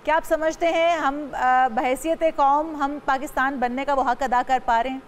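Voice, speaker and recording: Female television host, Pakistani accent, high voice, courteous interviewing style. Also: fairly even intonation, normal speed. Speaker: TV morning show host. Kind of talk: broadcast interview.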